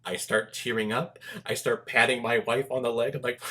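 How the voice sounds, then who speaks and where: A man giving a casual, enthusiastic film review straight to his viewers, talking in an animated, emphatic and informal way. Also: mid-range voice, normal speed.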